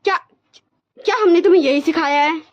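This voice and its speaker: A woman's voice: high-pitched, moderate pace, pitched above the performer's own voice, natural voice. A woman voicing a stern, middle-aged mother who scolds her son, in a dull lo-fi recording. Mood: scolding.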